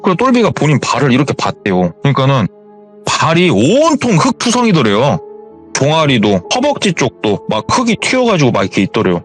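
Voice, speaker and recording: Animated male horror storyteller. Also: medium pitch, a little fast, faint music behind. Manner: colloquial, retells with reported speech. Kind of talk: casual spoken storytelling.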